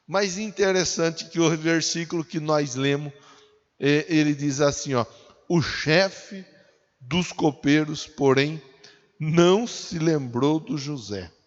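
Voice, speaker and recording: A man's voice: a little high, takes it slowly. A Brazilian man in his forties preaching a sermon in a conversational way, asking his listeners rhetorical questions. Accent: Brazilian Portuguese. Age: 40s. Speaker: pastor. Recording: dull, echoey hall.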